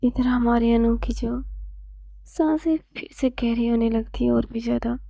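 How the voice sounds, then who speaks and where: Gravelly-voiced woman reading a romance story. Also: a little high, steady tone, measured pace, no echo. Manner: slips into soft whispers, casual fillers.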